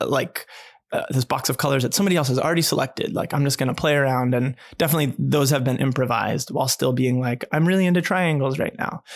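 A man talks in a fairly high voice with ordinary pitch variation and very even loudness. The sound is dry and close with no echo, on a very clean recording with a silent background. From Florida. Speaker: quilt maker and performer. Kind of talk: casual interview chat. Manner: hesitant, many fillers.

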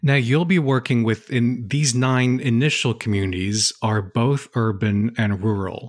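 A man at medium pitch with a normal speaking voice, ordinary pitch variation, very even loudness and a fairly slow pace, on a very clean recording with a silent background. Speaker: podcast host and producer. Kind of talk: interview.

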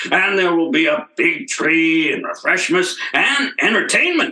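Putting on a character voice, a man speaks at a high pitch with very wide pitch swings. His loudness stays very even at a moderate pace. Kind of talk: 1940s radio comedy acting. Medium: audio drama. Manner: smooth, pompous.

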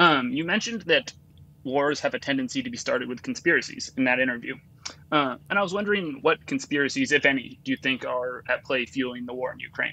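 With a bright, sharp tone and lively intonation, a man with an American accent talks at a very fast pace. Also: fairly high pitch for a man. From California. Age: 20s. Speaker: student interviewer. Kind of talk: interview.

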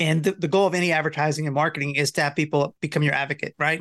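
A man's voice comes through against a quiet background. His pitch is fairly high and his intonation fairly even. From Louisiana. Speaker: podcast co-host. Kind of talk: podcast interview. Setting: video call. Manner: halting, repeats words.

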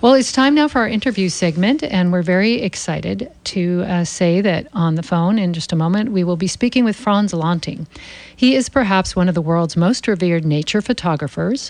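A woman with a normal speaking voice talks at a moderate pace in a medium pitch, her intonation lively. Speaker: radio host. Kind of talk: radio interview. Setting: studio.

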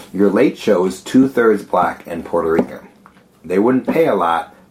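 With an American accent, a man speaks fairly slowly in a fairly low voice against noticeable background noise. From US, Chinese American. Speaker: street performer. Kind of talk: casual interview. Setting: recorded in a treehouse.

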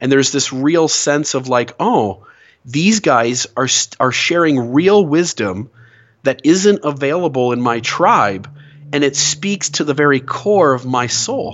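Here a man speaks in a Midwestern American accent at a fairly slow pace. His intonation is lively. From Ohio, US Midwest. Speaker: podcast host. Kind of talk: casual interview.

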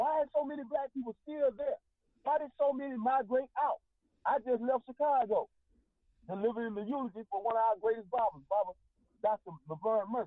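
A man with a Mississippi accent speaks at an extremely high pitch with ordinary pitch variation. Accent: US Southern (Mississippi). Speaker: community organizer. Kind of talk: radio interview. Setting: phone call.

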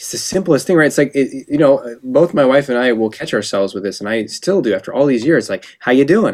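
With an American accent, the speaker talks at a very fast pace with very wide pitch swings. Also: man, hardly any pauses. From United States. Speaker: psychologist and men's coach. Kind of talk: interview conversation.

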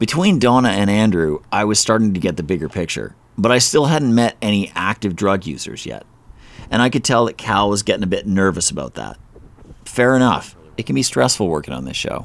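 With a Canadian accent, a man talks at a fairly quick pace with lively intonation. His voice is fairly low and shows vocal fry. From Canada. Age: 40s. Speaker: podcast host and former heroin user. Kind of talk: documentary narration.

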